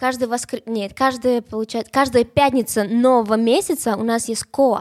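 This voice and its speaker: With a Spanish accent, a woman with a fairly high pitch and ordinary pitch variation speaks at a fairly slow pace in a dry, close sound with no echo. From Bolivia. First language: Spanish (speaking Russian). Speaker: singer. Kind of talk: casual chat.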